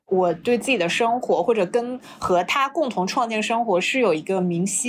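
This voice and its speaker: This woman has an ordinary speaking voice with a fairly high pitch. She talks at a moderate pace with lively intonation. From northern Jiangsu, small town. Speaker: podcast co-host, guest. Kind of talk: casual chat.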